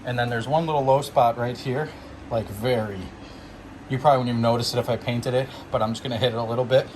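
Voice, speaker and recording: A man's voice: medium pitch, fairly even intonation, quick pace, darkish tone, slight background noise. A young man, out of breath, casually walking through his car body work in a garage and proudly pointing out details. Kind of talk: casual walkaround video log. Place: garage or workshop beside a car.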